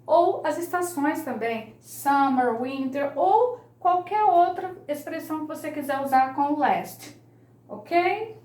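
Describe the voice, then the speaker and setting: Lady teaching english online, slow and patient, kinda high voice, echoey room. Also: animated, darkish tone. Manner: slow, patient, repeats key points. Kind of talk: explanatory online lesson.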